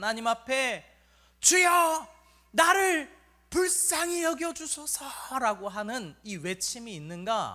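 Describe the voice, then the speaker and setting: Raised and projected, a man's extremely high, bright, sharp voice makes very wide pitch swings at a very slow pace. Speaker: pastor. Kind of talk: sermon. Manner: animated.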